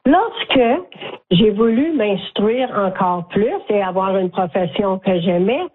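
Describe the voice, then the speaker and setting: An older woman with a Franco-Ontarian French accent, talking as a guest in a phone interview, animated and chatty, often checking in with "ok?". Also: medium pitch, takes it slowly, husky. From Northern Ontario, Canada. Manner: warm, animated storytelling with frequent "ok?". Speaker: guest, community volunteer. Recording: tinny phone line.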